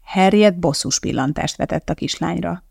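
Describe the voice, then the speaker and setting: Gravelly audiobook narrator, steady measured reading, dry close mic sound. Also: mid-range voice, dry recording.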